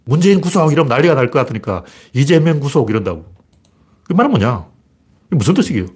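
A man talking through politics and history in a casual, blunt, emphatic monologue with a husky voice. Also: medium pitch, quick pace. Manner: animated, blunt and emphatic, with frequent laughs and repeated phrases. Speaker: political commentator.

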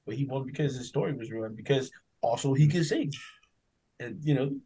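A man's voice: medium pitch, a little fast, crowd noise, low-quality recording. A man chatting on a podcast in a blunt, sarcastic way. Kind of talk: casual podcast chat.

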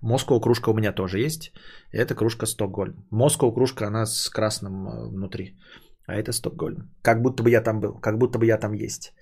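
A man's voice: fairly low pitch, fairly even intonation, moderate pace, gravelly, a little mellow, husky. A man hosting a casual solo podcast, rambling and joking, who mangles words on purpose for fun. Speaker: podcast host.

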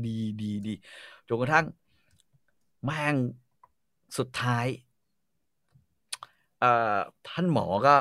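A man telling a story in a casual chat, animated and full of crude slang, acting out bits of dialogue. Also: medium pitch, very slow, pauses often, clear, resonant tone, dry recording, studio quality. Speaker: storyteller host.

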